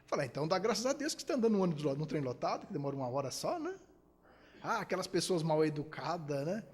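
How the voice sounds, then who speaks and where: A man's voice: on the high side, big pitch swings, quick pace, husky, long reverb tail. A man from Brazil giving a spiritist lecture, asking rhetorical questions and acting out quoted dialogue.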